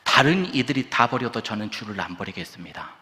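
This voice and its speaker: Earnest male disciple, put on by a preaching man, fervent pledges, raised and bright, echoey hall. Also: on the low side, very animated, fairly quick.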